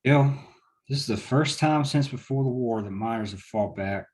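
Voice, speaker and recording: A man playing a steady war-veteran leader of miners in a script read, earnest and firm. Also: mid-range voice, moderate pace, lightly acted. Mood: earnest, resolute. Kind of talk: screenplay table read.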